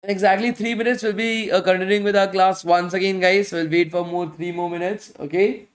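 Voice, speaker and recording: In a high-pitched, level voice at a slightly quick pace, a bootcamp instructor handles questions live online in a casual way. Repetition and a habit of ending phrases with "guys" mark his speech, and his voice is giving out from daily use.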